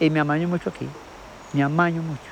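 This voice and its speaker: A man speaks at a fairly high pitch with ordinary pitch variation, over noticeable background noise. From Colombia, rural Antioquia (Gómez Plata). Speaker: farmer. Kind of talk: interview storytelling.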